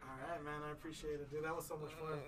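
A man's voice: on the high side, level tone, fast talker, far from the mic, crowd noise. Laid-back rambling podcast host, man. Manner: laid-back, rambling, peppers speech with "man" and "you know". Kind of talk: casual podcast chat.

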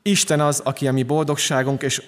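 Man preaching in a reverberant hall. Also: mid-range voice. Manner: calm, earnest preaching with frequent restarts. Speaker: pastor. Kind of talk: sermon.

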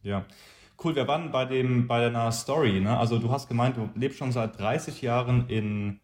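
A man hosts a podcast and interviews his guest in a relaxed, informal tone. His voice is mid-pitched, and he often stumbles and restarts his questions. The recording has a roomy echo. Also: moderate pace. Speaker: podcast host. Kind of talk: casual interview conversation.

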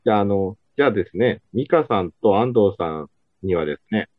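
A man with an Ibaraki accent, hosting a casual podcast chat with quick jokes and frequent laughter. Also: lowish voice, lively intonation, no room sound, phone-quality sound. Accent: Ibaraki dialect. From Ibaraki, Japan. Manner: quick, joking, laughing often. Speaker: podcast host.

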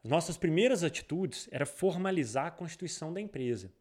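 The Brazilian entrepreneur speaks a little fast in a fairly high voice, with a Brazilian Portuguese accent. Appearing as a guest in a casual interview, he tells stories animatedly, rambling and restarting many times.

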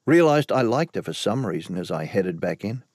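A man's voice: on the low side, sing-song, normal speed, a little mellow, no room sound, studio quality. A man narrating an audiobook in the first person, telling the story evenly.

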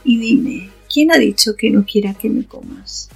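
A woman playing a seductive, hungry vampire in an audio drama, with a coquettish, predatory way of talking and a husky voice. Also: fairly high pitch, unhurried, soft background music, full character voice. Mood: seductive, menacing. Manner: coquettish, purring. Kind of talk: audio fiction acting.

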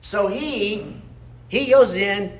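A man's voice: high voice, drawn-out words. A man teaching an informal Bible history class in a church room, explaining in a conversational way and often checking in with his listeners. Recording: echoey room, faint background noise.

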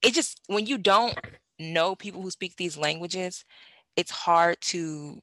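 Young woman, casual guest chat; bright, slightly gravelly, animated with fillers and laughter, dry close sound. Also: lowish voice, takes it slowly, no room sound. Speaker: guest language learner. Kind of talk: casual conversation.

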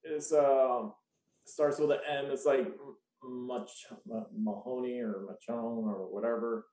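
Flustered podcast co-host in an echoey room. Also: male voice, mid-range voice, fairly even intonation, slow pace, warm tone. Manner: flustered, self-mocking. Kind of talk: casual podcast banter.

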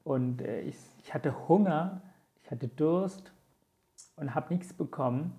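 A man's voice: a little high, slow pace, mellow. A man in his forties from Sri Lanka, a native Tamil speaker, telling his story as an interview guest in an earnest, reflective way with many hesitant fillers. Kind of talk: conversational storytelling.

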